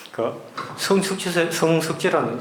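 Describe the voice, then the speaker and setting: Noticeable background noise and audible room echo surround this man's voice. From Korea, Uiseong, North Gyeongsang. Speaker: audience member asking a question. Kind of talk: audience question. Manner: halting.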